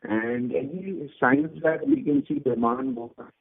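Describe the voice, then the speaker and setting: A man's voice: medium pitch, sing-song, unhurried, slightly rough. A man, an analyst on a conference call, asks questions politely while his phone audio keeps breaking up and dropping out. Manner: polite, addresses others as sir and ma'am. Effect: choppy audio breaking up on a phone line. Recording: tinny, breaking-up phone line.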